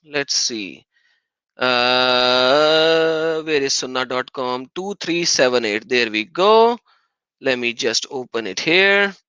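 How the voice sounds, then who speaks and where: A man's voice: mid-range voice, slow, pushed and bright, clear, resonant tone, no echo, highs cut off. Man, native Urdu speaker, livestream debate host, argumentative, repeats himself, dry close sound. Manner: combative, repeats his point insistently. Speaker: livestream host reading viewer donations.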